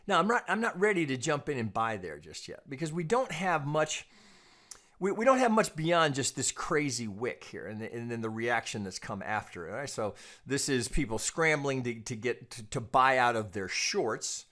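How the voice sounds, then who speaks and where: A man giving an informal technical analysis lesson as a trading analyst, explaining in a measured, cautious way with repeated phrases and frequent check-ins. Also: medium pitch, sing-song, fairly bright tone. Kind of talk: informal technical analysis commentary over charts.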